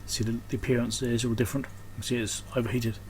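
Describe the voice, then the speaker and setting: Male repairer, medium pitch, casual hands-on commentary, unscripted and trailing off, audible background noise. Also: flat delivery, racing, darkish tone. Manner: unscripted, thinking aloud, trailing off mid-thought. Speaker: electronics repairer and video host. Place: indoors at a repair workbench. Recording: clear background noise, room ambience.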